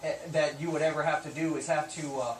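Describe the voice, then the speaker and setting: A man's voice: on the high side, steady tone, fast talker. A man speaking as a Border Patrol officer in a news interview, making his case in an earnest, insistent, plain-spoken way. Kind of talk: live news interview answers. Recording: roomy echo, distant mic, faint noise.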